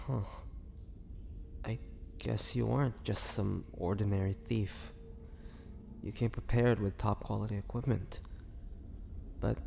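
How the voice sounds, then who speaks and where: A man playing a weary, brooding ancient vampire in a dramatic audio roleplay, speaking haltingly with a low, gravelly voice. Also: darkish tone. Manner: slow, halting, brooding delivery with pauses. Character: weary, imprisoned ancient male vampire, groggy and menacing. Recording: long cavernous reverb, background noise.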